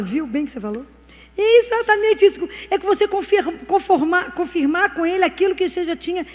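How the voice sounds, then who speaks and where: A woman giving a conversational testimony sermon, telling stories and speaking earnestly about faith. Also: sits high. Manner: storytelling, acting out dialogue. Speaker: Christian speaker. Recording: long hall reverb.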